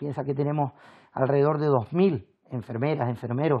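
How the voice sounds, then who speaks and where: A man's fairly high-pitched voice, an ordinary speaking voice, with ordinary pitch variation at a moderate pace. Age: 60s. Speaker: regional health minister. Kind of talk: TV interview.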